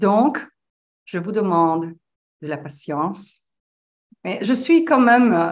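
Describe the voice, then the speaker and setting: At a very slow pace with long, frequent pauses, a woman at medium pitch speaks with very wide pitch swings. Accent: Spanish. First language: Spanish (speaking French). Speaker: life coach. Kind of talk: webinar talk. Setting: video webinar.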